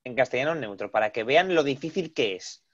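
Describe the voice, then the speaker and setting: A man's voice: mid-range voice, expressive, fairly quick, dull audio. A man interviewing an actress in a playful, enthusiastic, teasing way. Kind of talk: casual interview chat.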